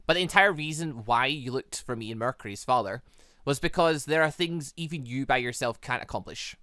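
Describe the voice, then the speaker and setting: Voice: medium pitch, brisk, pushed and bright, dry recording, lightly acted. A let's play host reads a young henchwoman from a visual novel. She is eager to serve and speaks politely, with earnest, hesitant deference. The sound is dry and close. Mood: earnest, deferential. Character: deferential, eager young female henchwoman devoted to her mistress.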